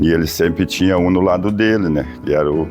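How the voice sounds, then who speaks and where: Against noticeable background noise, a man with a very deep, low pitch talks at a fairly quick pace with fairly even intonation. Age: 70s. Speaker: Afro-Brazilian religious elder. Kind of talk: documentary interview testimony.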